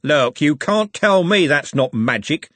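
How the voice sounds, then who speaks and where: A man voicing a brutish, angry male football thug who shouts coarsely in an audiobook. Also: on the high side, expressive, measured pace, no echo, voice pushed up. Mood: furious.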